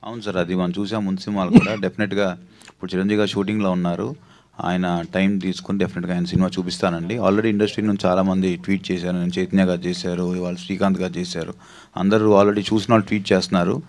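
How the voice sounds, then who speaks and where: A man from the film team answering a press question in a flat, rapid delivery. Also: low voice.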